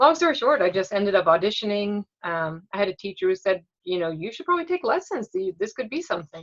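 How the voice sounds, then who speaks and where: A woman's medium-pitched voice, very fast with hardly any pauses and very wide pitch swings, in a dry, close sound with no echo. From Sweden, partly raised abroad. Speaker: opera singer. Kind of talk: interview testimony.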